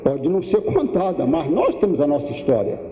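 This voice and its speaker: A man in his seventies giving an unhurried, thoughtful lecture, pausing and restarting as he goes. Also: fairly high pitch, huge pitch swings, mellow, slight background noise. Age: 70s. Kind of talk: public lecture. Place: large lecture room. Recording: echoey hall, dull lo-fi sound.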